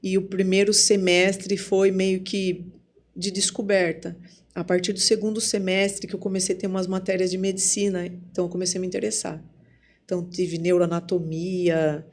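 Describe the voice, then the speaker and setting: A woman with a Brazilian Portuguese accent, talking as a guest on a podcast. She tells her own story casually at a medium pitch and voices remembered exchanges as she goes. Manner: lively storyteller who acts out remembered dialogue. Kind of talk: casual spoken testimony.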